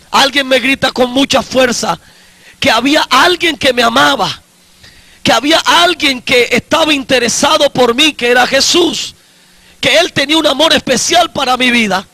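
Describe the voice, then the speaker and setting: Male evangelist, 40s, high bright voice, slow emphatic testimony with repeated phrases. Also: no echo. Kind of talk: preached personal testimony.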